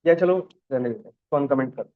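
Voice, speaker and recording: A man teaching a programming class, questioning students and repeating points slowly. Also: medium pitch, expressive. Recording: dull lo-fi sound.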